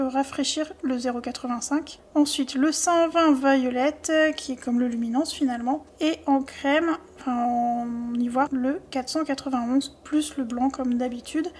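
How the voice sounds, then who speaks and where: A woman's voice: high voice, darkish tone. A woman hosting a casual drawing tutorial, chatty as she lists pencil colors and their codes, with small self-mocking asides. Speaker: art tutorial host.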